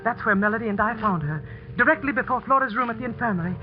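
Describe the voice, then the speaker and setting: An actress playing a determined young schoolteacher who narrates and plays the lead in a 1940s radio mystery drama, telling the story in a crisp, urgent way. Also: female voice, a little high, lively intonation, fast, soft background music, close to an everyday voice. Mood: narrating. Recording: dull lo-fi 1940s radio broadcast.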